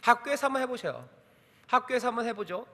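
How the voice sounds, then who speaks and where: Male pastor, high bright voice, emphatic sermon delivery, echoing church hall. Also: expressive, quick pace. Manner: emphatic preaching with rhetorical questions. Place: church sanctuary.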